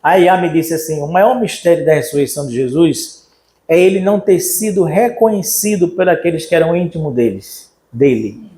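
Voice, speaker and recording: A Brazilian pastor preaches with a fairly high-pitched voice, lively and animated as he acts out the voices of people in his story. His voice rings through a roomy, echoey church sanctuary. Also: moderate pace. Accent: Brazilian Portuguese. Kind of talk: sermon.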